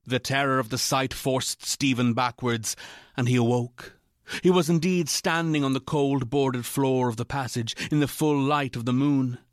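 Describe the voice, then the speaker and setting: A man narrating a literary ghost story in a measured, formal way. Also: medium pitch, fairly even intonation, no room sound, studio quality, lightly acted.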